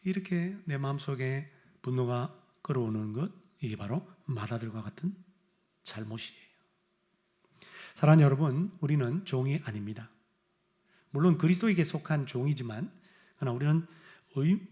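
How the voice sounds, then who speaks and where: A middle-aged male pastor preaching a sermon, acting out complaints in a raised voice and then dropping low and quiet. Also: expressive, normal speed, long pauses, muffled recording.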